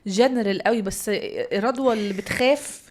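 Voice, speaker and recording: A woman's voice: a little high, fairly quick. A woman in her forties with an Egyptian Arabic accent, hosting an interview in a curious, chatty way. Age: 40s. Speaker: podcast host. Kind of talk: casual interview talk.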